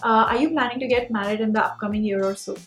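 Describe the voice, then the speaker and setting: A woman's voice: fairly high pitch, fairly even intonation, fast talker, fairly bright tone. A young woman with an Indian Punjabi accent chatting casually and candidly as a beauty vlogger answering questions. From Mumbai, India. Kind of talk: casual chatty Q&A while doing makeup. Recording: roomy echo, music behind.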